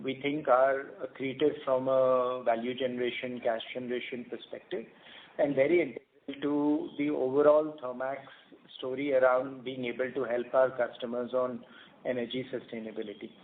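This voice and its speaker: A man answering questions formally as a company executive on an earnings call, speaking in a measured, hesitant way. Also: mid-range voice. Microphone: telephone conference line. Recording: noisy narrowband conference phone line.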